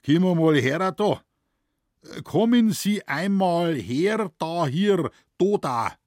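A man's voice: fairly high pitch, lively intonation, slow, darkish tone, no room sound, clean studio sound, voice pushed up. A man voicing a grumbling old Bavarian forest warden in broad dialect, speaking raised and flustered. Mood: straining.

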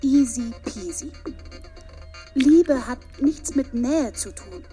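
An upbeat woman soothes children. Her voice is higher and mellow, with faint music in the background. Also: slow. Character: cheerful woman counseling children.

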